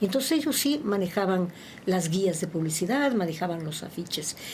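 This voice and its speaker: In a room with audible echo, a woman talks at a moderate pace in a medium pitch. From Ecuador, Quito. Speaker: film publicist and author. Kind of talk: interview. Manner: hesitant, with fillers.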